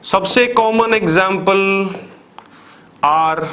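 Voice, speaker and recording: Extremely slow and sharp-toned, this high male voice belongs to an exam-prep English teacher with an Indian accent. In a classroom lecture on grammar for exam students, he poses questions, answers them himself and goes through examples repeatedly, step by step.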